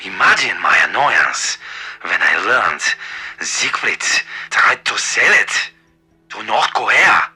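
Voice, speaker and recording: An actor playing an eccentric, older German wartime scientist in a video game, excitable and arrogant, raspy and halting, with a German accent. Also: male voice, on the low side, soft background music, heavily acted. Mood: boastful, aggrieved. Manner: halting, theatrical, with abrupt outbursts. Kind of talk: video game character acting.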